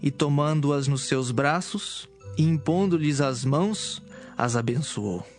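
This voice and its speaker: Higher-pitched male Bible narrator. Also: takes it slowly, soft background music. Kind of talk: scripted dramatic Bible narration.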